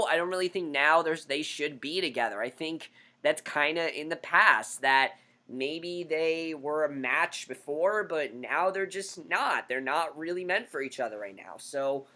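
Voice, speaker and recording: Hoarse, bright-voiced young reviewer man. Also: on the high side. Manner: blunt, opinionated, repeats himself. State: hoarse from recent illness. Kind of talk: casual episode review to camera.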